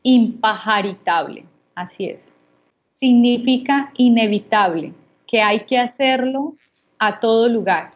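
A Colombian woman, a guest teacher, calmly contrasting words and giving examples for Spanish learners. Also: on the high side, takes it slowly, muffled recording. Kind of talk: slow didactic conversation for learners.

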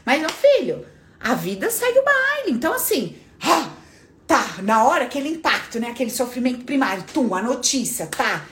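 A woman's voice: high-pitched, normal speed, slight background noise. A woman hosting a live stream, telling stories in a casual, motivational way and acting out the voices she quotes. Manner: animated storyteller, acts out quoted voices; informal and chatty, calls listeners "minha filha" and "menina".

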